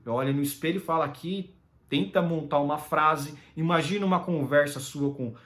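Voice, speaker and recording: A man's voice: on the high side, normal speed, fairly bright tone. A Brazilian man giving rambling, casual solo commentary, full of fillers and tag questions.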